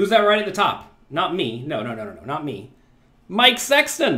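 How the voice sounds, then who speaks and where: Bright and sharp in tone, a man talks at a moderate pace with very wide pitch swings and audible room echo. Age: young. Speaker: poker pro and coach hosting a live stream; poker coach hosting a livestream. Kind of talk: casual live-stream Q&A. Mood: upbeat, friendly. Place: home room.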